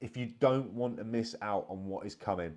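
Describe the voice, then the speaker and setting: The recording is very clean, with a silent background. A man with a British accent talks at a moderate pace with ordinary pitch variation. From England. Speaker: live show host. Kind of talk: casual live-stream chat. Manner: casual, slangy.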